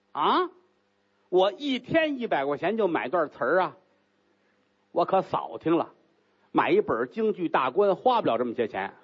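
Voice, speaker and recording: A man's voice: high voice, husky, muffled recording, full character voice. A man doing a cool, imperious rich woman. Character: haughty rich young concubine, woman, commanding.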